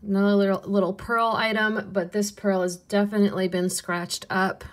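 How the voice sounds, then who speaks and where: A young adult woman casually going through a bin of flea market jewelry, pricing each piece and muttering soft asides to herself. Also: mid-range voice, flat delivery. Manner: unhurried, softly muttering asides, cooing over pieces. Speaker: resale seller pricing jewelry. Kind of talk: casual hands-on haul video.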